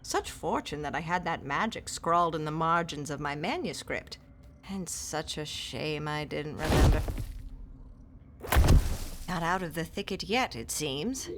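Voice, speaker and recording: A learned classicist tells her tale in a measured, formal way, often in a hush, voiced by an actress in an audio drama. Her voice sits a little low and moves slowly. There is faint background noise. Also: lively intonation. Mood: stern. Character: stern, learned woman classicist and storyteller.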